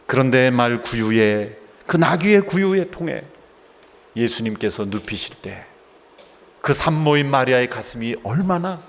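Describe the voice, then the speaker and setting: A middle-aged male pastor preaching a sermon with rhetorical questions and acted-out dialogue. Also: on the high side. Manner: emotive preaching, asks rhetorical questions, acts out quoted dialogue. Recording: long hall reverb.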